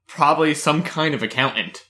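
A man's voice: on the high side, normal speed, bright, forceful tone. Wisecracking man in an echoey room. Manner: teasing, wisecracking. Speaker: tabletop player.

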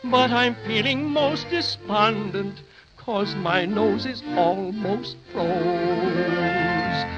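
A shivering frost sprite. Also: male voice, high voice, heavily acted. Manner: sung in rhyme with shivering brrr's. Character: jolly male frost sprite singing a chilly comic song. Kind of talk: 1930s radio drama song. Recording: dull lo-fi 1930s transcription with loud music.

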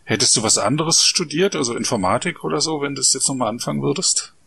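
A man's voice: mid-range voice, quick pace, gravelly, pushed and bright, slight background noise. A man hosting a podcast interview, friendly and direct with his questions. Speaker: podcast host. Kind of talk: casual interview. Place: Berlin.

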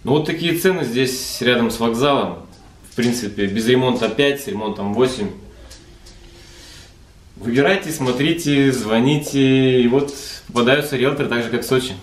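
A mid-pitched man speaks to the camera and asks short, businesslike questions, his voice carrying an echo and a faint hiss of noise. His manner stays casual and matter-of-fact. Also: moderate pace. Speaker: co-host of travel vlog. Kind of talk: casual vlog talk and phone inquiry.

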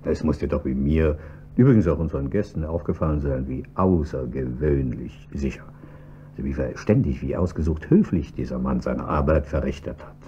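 A jovial, deep-voiced rich husband. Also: male voice, moderate pace, warm tone. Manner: jovial, chuckling, pleased with himself. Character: self-satisfied wealthy pharmacist husband. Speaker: pharmacist and businessman. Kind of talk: radio drama acting. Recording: dull lo-fi recording, faint hiss.

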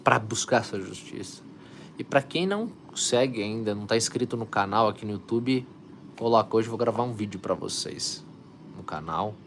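A man's voice: fairly low pitch, expressive, normal speed, fairly bright tone, slight background noise. A man hosting a motivational live stream, urging viewers on with energy and reading out their comments. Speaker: live stream host, coach.

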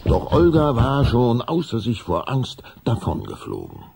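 A man with a gravelly, husky voice, acting as narrator of a children's vampire tale in an audio drama. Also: medium pitch, huge pitch swings, measured pace, a little mellow, full character voice. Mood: storytelling.

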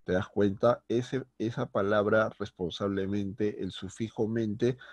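A male secondary school teacher giving a recorded grammar lesson, explaining step by step and checking in often with quick tag questions. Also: fairly low pitch, steady tone, darkish tone, dry recording.

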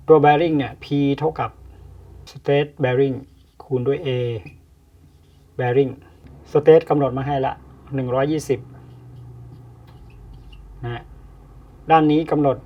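A man teaching an engineering problem step by step, pausing often with fillers as he explains. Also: medium pitch. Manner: slow, explains with many pauses and fillers. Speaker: engineering tutor. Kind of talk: step-by-step lecture. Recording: distant, dull lo-fi mic.

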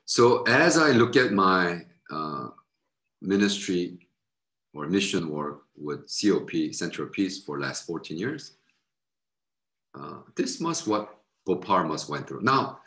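A middle-aged man, a missionary, giving a frank recorded slide lecture from a room on his webcam, repeating words and jumping up in pitch for quoted voices. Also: very animated, slow, fairly bright tone, reverberant. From United States.

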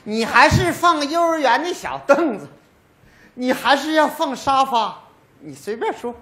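A man's voice: very high-pitched, lively intonation, unhurried, fairly bright tone, heavily acted. A man playing a stubborn, touchy old widowed father in a stage comedy sketch, grumbling and sarcastic. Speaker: sketch actor. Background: audience laughter.

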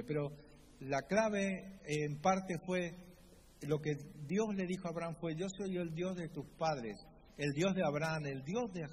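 A man's voice: a little high, a little mellow, slight background noise. A man from preaching a sermon, emphatic and repeating key phrases as he quotes scripture with feeling. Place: church. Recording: reverberant church hall with faint ambience.

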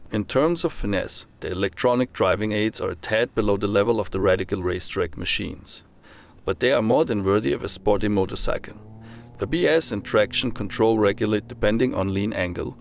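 A man with a low, gravelly voice delivers a scripted voice-over. His reading is steady and formal, and he moves through technical figures in an even, measured way. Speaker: motorcycle reviewer.

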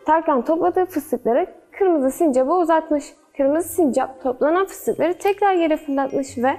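A woman storyteller reading a children's fairy tale in a gentle, measured way. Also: high-pitched.

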